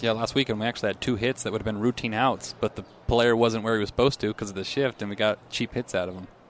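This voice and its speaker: Barely pausing, a man races along at a very fast pace at medium pitch with fairly even intonation, in a dry, close sound with no echo. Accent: American. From Arizona. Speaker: color commentator, former pitcher. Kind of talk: live commentary.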